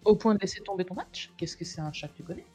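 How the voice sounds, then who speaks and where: A woman's voice: lowish voice, fast talker, warm tone, faint music behind. A woman playing in a tabletop role-play game, with a playful, teasing way of talking. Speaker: player.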